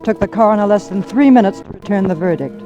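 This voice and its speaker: A woman's voice: medium pitch, fast, muffled recording, close to an everyday voice. A woman playing a tense young wife in a 1940s radio drama. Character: anxious young wife left by her lover. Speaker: radio drama lead and narrator. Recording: old radio broadcast with music.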